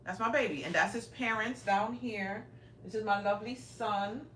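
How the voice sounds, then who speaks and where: Raised in Brooklyn, New York, this chatty livestream host in her forties gives a casual tour and talks directly to her viewers. Her middle-pitched, slightly bright voice moves at a moderate pace and rings in the small rooms of her home. A faint hiss from her handheld phone sits underneath.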